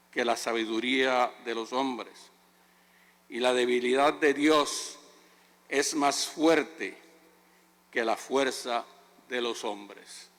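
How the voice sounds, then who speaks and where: A man reading scripture as a lector at Mass, solemn and deliberate, in a large church with a cathedral-like echo. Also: medium pitch, a bit bright.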